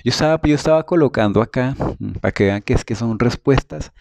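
A man's voice: medium pitch, fast, vocal fry, darkish tone, dry recording. A man talking casually to viewers about his autistic child, earnest and rambling, often repeating and restarting words. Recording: noisy home recording.

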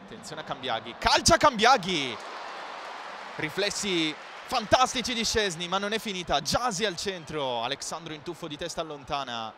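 A man's voice: fairly high pitch, sing-song, fairly quick. A man with an Italian accent giving live football match commentary. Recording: commentary over stadium noise.

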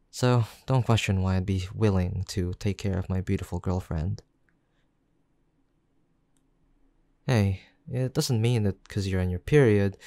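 Man acting as a slow, mellow, affectionate young boyfriend. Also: on the low side, no room sound. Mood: tender reassurance. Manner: soft, affectionate, unhurried, gently teasing. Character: caring, teasing young boyfriend comforting his girlfriend. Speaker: voice actor in boyfriend roleplay audio. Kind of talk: intimate boyfriend roleplay.

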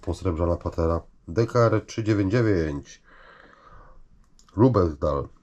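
A man giving casual, rambling vlog commentary, halting and repeating himself as he addresses viewers. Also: sits low, darkish tone, highs cut off, a little hiss or hum. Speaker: vlogger showing finds from discarded junk.

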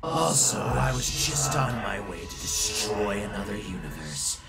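A man's voice: lowish voice, sing-song, unhurried, vocal fry, full character voice. A man doing a gloating villain engine. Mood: smug. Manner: gloating, sneering, whispered menace. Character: sadistic male villain train engine, gloating. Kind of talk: fan audio drama. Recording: loud music behind.

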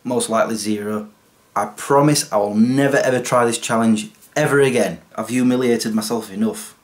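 An animated man, chatting to camera from a small home office. He pokes fun at himself as he talks. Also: medium pitch, normal speed. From England. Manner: self-mocking, animated, waves hands while talking. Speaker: YouTuber. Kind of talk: casual vlog chat to camera.

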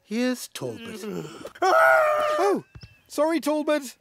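A woman narrating a cartoon for small children in an expressive storybook style, with exclamations and simple questions. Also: sits high, extremely slow, heavy background noise.

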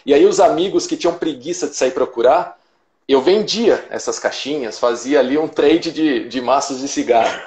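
A man's voice: medium pitch, normal speed, darkish tone. Man telling his story in an echoey room. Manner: personal, reflective, many restarts. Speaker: guest trader. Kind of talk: casual storytelling.

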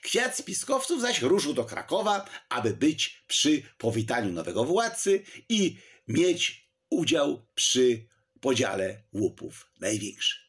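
A man reading a historical novel aloud as narrator, in a lively storytelling manner. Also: medium pitch, takes it slowly, breathy edge. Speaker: audiobook narrator.

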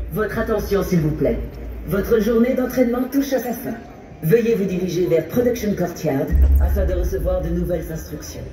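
A park announcer giving polite, measured public announcements over an outdoor loudspeaker. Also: mid-range voice, recorded from a distance. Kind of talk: formal bilingual public announcement. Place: outdoor theme park area. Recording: echoey loudspeaker heard from afar, music and crowd.

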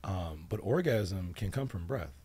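Podcast guest, man in his 40s, low husky voice, frank and animated. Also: unhurried. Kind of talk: casual podcast chat.

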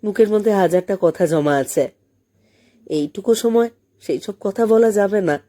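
Mellow woman narrating a story. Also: mid-range voice, measured pace. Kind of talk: expressive scripted story narration.

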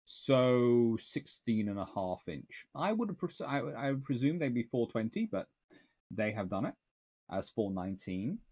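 Warm and husky, his mid-range voice is very animated yet unhurried. The naval historian answers questions in a casual livestream from his small home study lined with books, drifting and self-correcting as he reasons things out.

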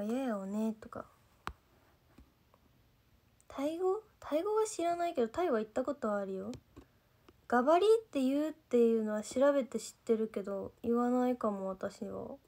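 A young woman from Gifu, an idol trainee, chats with her fans during a casual livestream while reading viewer comments. She speaks mostly standard Japanese with a light Gifu dialect, in a slightly high, somewhat mellow voice. Her talk is rambling and full of fillers like "nanka," and she often loses her thread.

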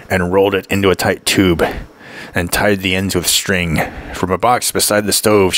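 A man narrating a literary audiobook with measured, even storytelling. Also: sits low.

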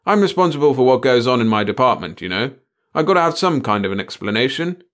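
A man's voice: mid-range voice, lively intonation, brisk, a bit bright, voice pushed up, lightly acted. A man voicing an anxious, wheedling male lab chief in a story, pleading and flustered. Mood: flustered, wailing. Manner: pleading, whiny, hasty. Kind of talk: storybook character voice in narration.

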